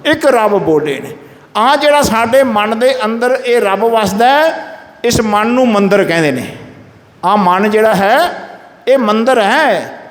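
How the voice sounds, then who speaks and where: High-voiced man preaching in an echoing hall. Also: animated. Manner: exhorts listeners to answer "Satnam" aloud; intones scripture lines slowly. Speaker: Sikh preacher. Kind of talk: sermon. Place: gurdwara hall in a village. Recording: echoey hall with long reverb.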